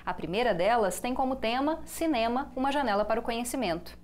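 A young woman from Brazil hosts a TV studio interview, opening with a polished scripted intro and then asking clear questions. Her voice sits fairly high. The mic picks up a faint room ambience. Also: animated, quick pace, a little hiss or hum. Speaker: TV host. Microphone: lapel mic.

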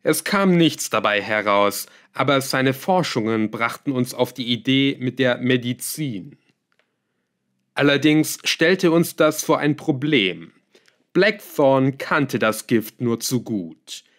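A man voicing a scheming male villain in an audiobook, calm, smug and lightly scornful. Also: mid-range voice, slow, voice pushed up. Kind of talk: audiobook character voice.

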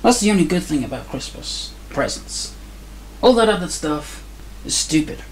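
A man's voice: a little high, expressive, normal speed, low-quality recording. Grumpy, dry-humored man narrating his workbench tinkering; a faint hiss underneath. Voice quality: grumpy, sarcastic. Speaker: hobbyist radio builder. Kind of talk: casual demo narration. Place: indoor workbench.

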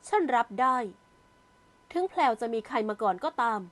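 A woman's voice: a little high, lively intonation, normal speed, lightly acted. A woman voicing a harsh young man who speaks curtly and scolds in an audio novel. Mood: cold. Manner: curt, scolding.

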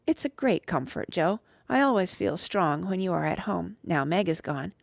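A woman voicing a gentle, loving middle-aged mother in an audiobook, soft-spoken and tender. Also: lowish voice, lively intonation, moderate pace, creaky, dry recording, clean studio sound. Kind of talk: audiobook reading.

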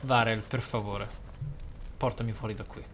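A man hosting a roleplay let's play, speaking in deliberate, formally worded, articulate commentary. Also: fairly low pitch, fairly even intonation, a little hiss or hum. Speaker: gamer, let's play host. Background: video game ambience.

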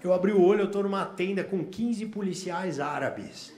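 A man's voice: high voice, normal speed, darkish tone. A Brazilian man doing stand-up, telling a story with slang and curses and acting out the dialogue in other voices. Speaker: stand-up comedian. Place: comedy stage before a laughing audience. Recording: echoey live room, audience noise.

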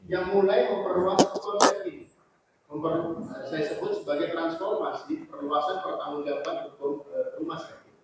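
A man giving a formal, measured answer as a doctoral candidate at his defense, pausing often with fillers. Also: high voice. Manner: measured, hesitant with frequent "eh" fillers. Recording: distant, roomy, muffled with faint noise.

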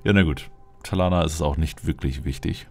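A man's voice: very deep voice, brisk, vocal fry. A man hosting a Let's Play, giving casual in-character gameplay commentary and musing playfully aloud. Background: game music.

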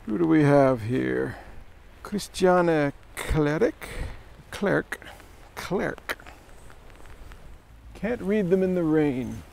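A man's voice: on the high side, expressive, extremely slow, creaky, pauses often, a little mellow. A middle-aged man talking casually to a handheld camera as he walks around, making wry asides to the viewer. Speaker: travel vlogger. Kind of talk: casual walking vlog narration. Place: outdoors on rainy town streets and inside a shop. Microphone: handheld camera at arm's length.

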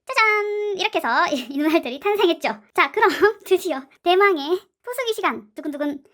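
A woman's voice: extremely high pitch, animated, a little fast, fairly bright tone. A woman hosting a craft tutorial, chatting playfully and adding cute sound words as she works. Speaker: slime and clay craft channel host. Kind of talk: casual craft tutorial narration.

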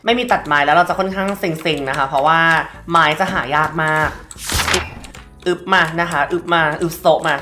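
A woman's voice: low voice, normal speed, bright, forceful tone, faint music behind. A woman hosting a game let's play, chatting politely and shrieking now and then. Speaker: gaming host.

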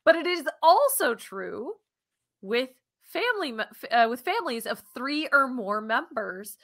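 Bright, high-voiced woman podcaster. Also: sing-song, a little slow. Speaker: science podcast co-host. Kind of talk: conversational science news presentation. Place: small furnished room at home, indoors. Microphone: video call, wearing headphones.

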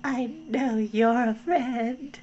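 A woman voicing a tiny, sad male gnat with a small, soft, pleading voice. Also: fairly high pitch, steady tone, extremely slow, lo-fi sound, pitched above the performer's own voice. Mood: plaintive. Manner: wistful, pleading.

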